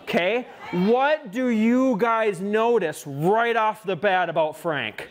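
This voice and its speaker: A camp counselor gets a group of campers ready for some easy first aid lessons, joking and teasing as he goes. The voice sits at an ordinary mid-range pitch. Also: animated, takes it slowly. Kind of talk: casual instruction to kids.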